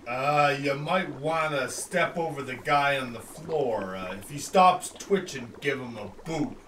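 An actor playing a sheepish, clumsy bruiser who apologizes slowly, recorded off-mic in an echoey room. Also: male voice, mid-range voice, a bit bright, far from the mic, slight background noise, close to an everyday voice. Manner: sheepish, slow.

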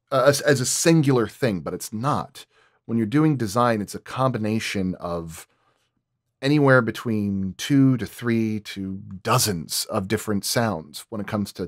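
A man's voice: lowish voice, no room sound, clean studio sound. A man speaking as a sound designer in a roundtable, thinking aloud and repeating and rephrasing as he explains his craft.

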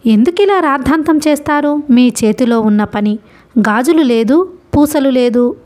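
A woman's voice: sits high, expressive, moderate pace, darkish tone, voice pushed up. Woman voicing a timid young wife. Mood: pleading. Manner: meek, pleading.

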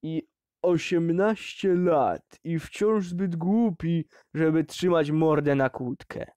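A man voicing a drunk, bitter middle-aged miner who yells contemptuously at his son. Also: medium pitch, steady tone, slow, clear, resonant tone, no room sound, clean studio sound. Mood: drunken rage. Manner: shouting, snarling, contemptuous.

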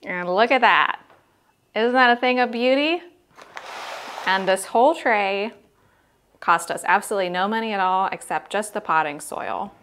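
A woman's voice: mid-range voice, normal speed, long pauses, fairly bright tone, clear, resonant tone. A middle-aged American woman gardening vlogger, chatting directly to viewers as she shows plants in a casual tour style. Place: home garden outdoors and inside the house.

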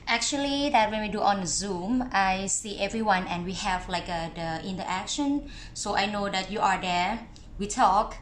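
Slow-talking woman yoga teacher. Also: mid-range voice, reverberant, a little hiss or hum. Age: 30s. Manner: chatty and relaxed, with pauses. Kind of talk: casual live-stream class talk.

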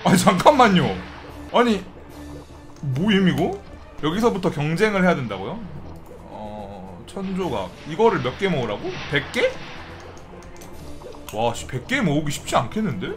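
A man casually commenting on his gameplay as a streamer, chatty and breaking into loud excited outbursts and swearing. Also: a little high, moderate pace, long pauses, soft background music. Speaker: game streamer.

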